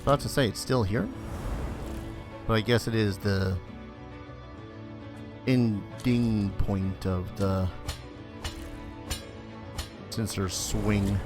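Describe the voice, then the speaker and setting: A man's voice: on the low side, fairly even intonation, very slow, pauses often. A man giving casual game commentary, muttering asides with some mild swearing and now and then reading game text aloud. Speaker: let's play host. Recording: game music behind voice. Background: video game music.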